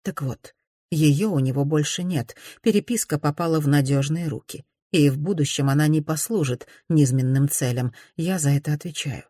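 A composed young woman, as a woman reading aloud plays her, speaking in a quiet, measured, restrained way. Her voice stays low and firm in a storybook reading. The sound is dry and close. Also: slightly rough, no room sound. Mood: calm firm.

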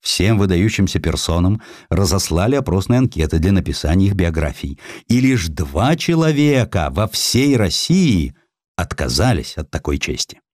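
A man's voice: low voice, very animated, normal speed, a little mellow, no echo. A man delivering dramatic scripted narration of history as an audiobook narrator.

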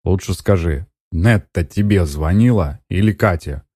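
A man reading an audiobook, voicing an irritated, weary older uncle in a gruff way. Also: deep voice, measured pace, dark tone, dry recording, studio quality.

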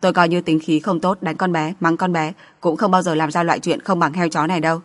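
A female narrator plays a hot-tempered husband in a storybook drama. He is brusque and defensive, scolding with indignation in a low register for a woman. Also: flat delivery, fast, natural voice. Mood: indignant, defensive.

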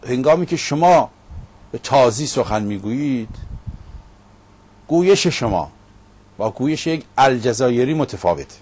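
A man's voice: medium pitch, husky. Man telling a story, emphatic. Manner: storytelling, recounting a debate, lively and emphatic. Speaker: host. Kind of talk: casual monologue. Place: Paris.

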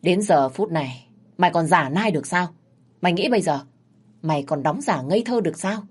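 A woman's voice: deep voice, expressive, fast talker, darkish tone, slightly rough. A woman voicing a furious older man, master of the house, who scolds harshly in a told story.

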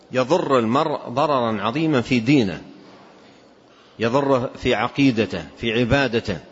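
A man giving a religious lesson as a scholar commenting on a classical text, speaking deliberately and repeating key phrases for emphasis. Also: mid-range voice. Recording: dull lo-fi recording.

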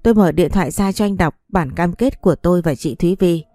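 A woman narrating a first-person audiobook story with a smooth, even storytelling delivery. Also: lowish voice, brisk, no room sound, studio quality, soft background music.

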